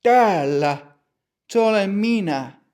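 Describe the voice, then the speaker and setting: A man voicing a nervous young man at a bank counter, talking hesitantly with a gravelly voice. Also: high-pitched, animated, a little mellow, pitched above the performer's own voice. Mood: flustered. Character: flustered young man opening an account.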